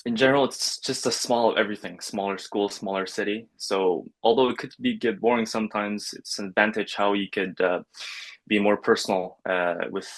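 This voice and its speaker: On a video call from his bedroom, a young adult man who studies nursing answers hesitantly and fills his speech with fillers. His voice is lowish, steady in tone and a little fast. The webcam audio quality is poor.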